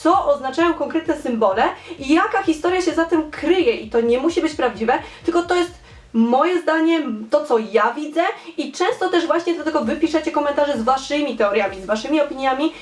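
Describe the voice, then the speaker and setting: A woman's voice: high-pitched, expressive, brisk. A young woman vlogger in casual chat, reading and discussing viewer comments with enthusiasm and repeating words for emphasis. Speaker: fan theory vlogger. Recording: echoey room.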